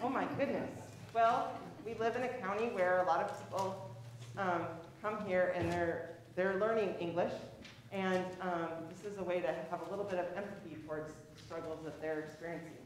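In a room with audible echo and light background noise, a woman speaks at a moderate pace with ordinary pitch variation, big swings in loudness, and long, frequent pauses. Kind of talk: announcements to congregation. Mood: friendly, lightly humorous. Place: church.

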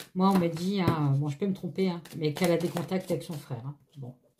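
A woman with a fairly low pitch and ordinary pitch variation talks over noticeable background noise. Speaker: tarot card reader YouTuber; tarot reader. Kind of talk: casual tarot reading monologue. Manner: chatty, hesitant with fillers; self-reminder to speak slowly. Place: home room. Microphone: phone near.

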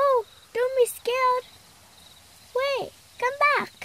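The speaker uses a put-on character voice at an extremely high pitch, with monotone, flat intonation and a very slow pace. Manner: fearful.

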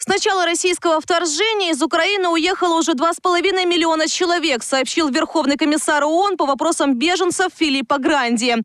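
This woman's voice sits extremely high in pitch, with ordinary pitch variation, a moderate pace, very even loudness and hardly any pauses. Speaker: news anchor. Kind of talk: news reading. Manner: formal.

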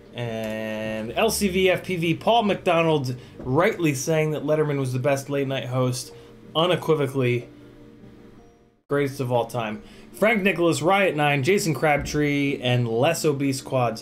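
Faint music plays in the background as a man talks at a fairly slow pace. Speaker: FPV drone hobby streamer. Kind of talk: casual live stream chat. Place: home room.

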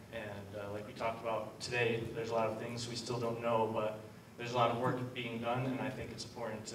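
A man talks at a fairly quick pace in a monotone, flat intonation against noticeable background noise. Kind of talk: presentation talk. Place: hall. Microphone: camera far.

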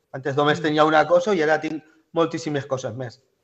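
Against a quiet background, a man uses an ordinary speaking voice, fairly high in pitch, at a fairly quick pace. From Valencia region, Spain. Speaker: amputee athlete, former bull-running participant; interview guest. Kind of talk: interview. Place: home room. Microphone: video call.

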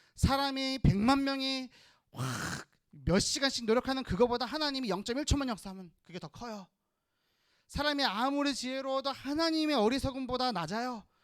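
At a moderate pace, a man with an extremely high pitch speaks with ordinary pitch variation and big swings in loudness. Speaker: children's pastor. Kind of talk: sermon. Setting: online worship broadcast.

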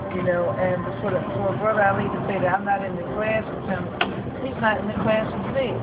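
Music plays in the background as a woman speaks at a moderate pace. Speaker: interviewee. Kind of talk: casual conversation about fitness. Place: gym. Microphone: camera far.

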